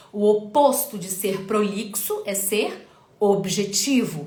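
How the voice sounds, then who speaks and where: This woman's intonation is lively. The room echo is audible. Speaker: public speaking coach. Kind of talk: live stream lecture. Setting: live stream.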